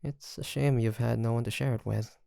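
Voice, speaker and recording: In an intimate ASMR roleplay, a performer voices a teasing pirate captain who flusters easily, speaking haltingly between sighs and soft laughs. The mid-range voice is creaky with fairly even intonation, and the mood is relieved and admiring. The recording is dry and studio quality.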